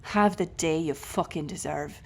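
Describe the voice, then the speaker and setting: Woman playing a slow-spoken, sardonic lady sea captain. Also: low-pitched, gravelly, noisy background, voice pushed down. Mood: mocking, contemptuous. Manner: sarcastic, wordy, biting. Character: defiant, sardonic, foul-mouthed female ship captain held prisoner. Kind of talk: audio roleplay acting.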